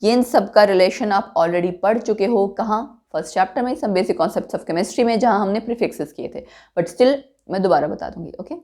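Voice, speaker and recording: A woman's voice: mid-range voice, moderate pace, a little mellow. A woman teaching a chemistry lecture, explaining step by step and checking with her students as she goes. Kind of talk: classroom lecture mixing Hindi and English.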